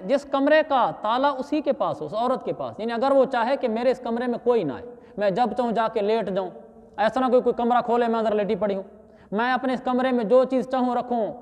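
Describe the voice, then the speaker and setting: A man's voice: extremely high pitch, a little mellow. Male religious scholar, lecture delivery with recited verses and anecdotes; long hall reverb. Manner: storytelling with Arabic recitation and quoted dialogue. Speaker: Islamic scholar giving Quran commentary. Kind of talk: Quran commentary lecture.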